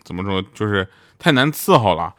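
Fast-talking deadpan male comedian. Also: fairly low pitch, dry recording. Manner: deadpan storytelling, acting out the voices in his anecdotes. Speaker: stand-up comedian. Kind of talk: comic monologue of short jokes.

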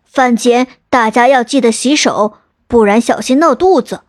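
A woman voicing a kind, upright young male cook in a storybook tale, speaking earnestly in a lowered voice. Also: moderate pace, no room sound, clean studio sound, natural voice.

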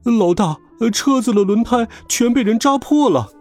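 A man's voice: very high-pitched, lively intonation, normal speed, a little mellow, faint music behind, voice pushed up. A man voicing a frightened thug in black with a raised, anxious voice.

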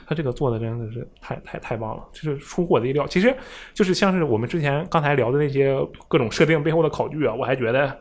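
A man's voice: mid-range voice, fast, hardly any pauses. A man in a casual conversation about a video game, reacting enthusiastically and summarizing what his co-host says.

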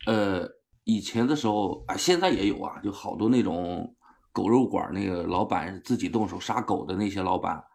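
A man's voice: low voice, normal speed, creaky, a little mellow. A man hosting a radio chat who talks hesitantly, full of fillers and restarts. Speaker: radio host. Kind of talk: casual chat.

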